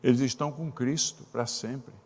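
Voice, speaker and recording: A man's voice: medium pitch, steady tone, moderate pace, a little mellow, lightly acted. A man voicing a grieving, devout old widow who speaks earnestly to her pastor, in a church hall. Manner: earnest, pleading address. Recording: long reverb of a church hall.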